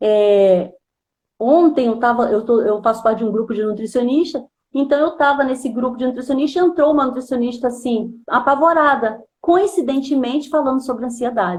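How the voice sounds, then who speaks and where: Female voice pitched high, its pitch varying in an ordinary way. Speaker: nutritionist. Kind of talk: live stream conversation. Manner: fast.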